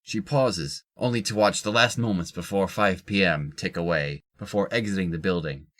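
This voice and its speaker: A man's voice: low-pitched, normal speed, a bit bright. A man reading scripted narration for an audio drama.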